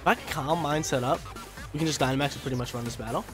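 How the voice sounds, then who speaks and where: A man's voice: a little high, racing. A young man with a stuffy, nasal voice from allergies, giving hyped, slangy commentary over his own video game battles from a small room at home. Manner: hyped, slangy, talks to himself about moves. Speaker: gaming YouTuber. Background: faint game music.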